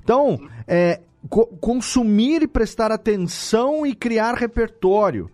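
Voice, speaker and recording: A Brazilian man with a slightly higher than average voice hosts a casual podcast chat. He talks informally, with slang and the odd swear word. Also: lively intonation, unhurried, a little mellow. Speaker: podcast host.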